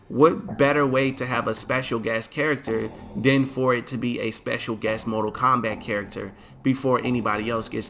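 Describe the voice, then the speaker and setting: Sleepy, chatty man with bright tone. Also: mid-range voice, creaky. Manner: laid-back, chatty, slangy. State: sleepy, stifling yawns. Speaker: gaming video host. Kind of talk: casual commentary to camera.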